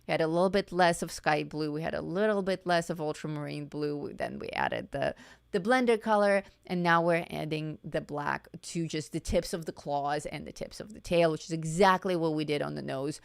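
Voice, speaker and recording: A woman teaching art on a live stream, her voice slightly low, with a gravelly fry that is getting hoarse, yet smooth and clear. She chats casually, restarting and repeating her words. The sound is dry and close. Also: moderate pace, no room sound. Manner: chatty, self-correcting, repeats words. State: voice going hoarse. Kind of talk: live-stream coloring lesson.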